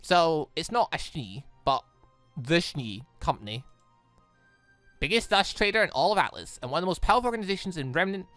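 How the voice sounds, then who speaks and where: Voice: mid-range voice, big pitch swings, fairly quick, fairly bright tone, no room sound. A game streamer voicing a breezy, knowledgeable female hunter who explains the world to a student in a casual, confident way. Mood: matter-of-fact. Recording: music playing under the voice.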